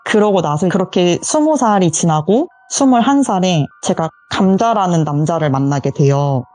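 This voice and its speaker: A woman's voice: fairly low pitch, lively intonation, normal speed, darkish tone, no echo. A young woman telling her own ghost story as a caller on an interview show, earnest and quoting others in acted lines. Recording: voice call with faint music behind.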